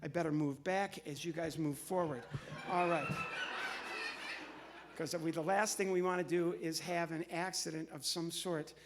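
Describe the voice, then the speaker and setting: A middle-aged American man from the Midwest doing live comedy patter on stage, chatty and halting, often interrupting himself. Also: a little high, steady tone, noisy background. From Midwestern United States. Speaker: comedian and entertainer. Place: on stage in a large church hall.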